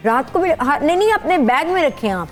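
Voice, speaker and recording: High-voiced woman doctor explaining patiently. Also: sing-song, fairly quick, soft background music. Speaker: skin doctor guest. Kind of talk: explaining products on a talk show.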